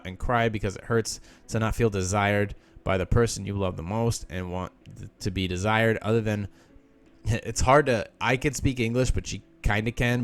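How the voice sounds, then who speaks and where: A man reads someone's post out loud on his podcast. He stops often to add sarcastic remarks of his own. It sounds like a relaxed, talky solo show. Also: on the low side. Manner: sarcastic asides between read lines. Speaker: podcast host. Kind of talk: reading a post aloud with commentary.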